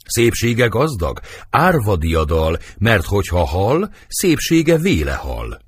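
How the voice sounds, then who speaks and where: A man's voice: fairly low pitch, wildly swooping pitch, slightly rough, no echo, clean studio sound, exaggerated voice. A man reading the part of Romeo, a brooding young nobleman in love, declaiming verse with sighing swings of feeling in an audiobook. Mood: lovelorn.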